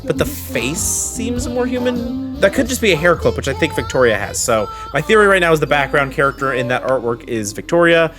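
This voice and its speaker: A man's voice: a little high, big pitch swings, fairly quick, hardly any pauses, over music. A man hosting a reaction video with casual, rambling commentary.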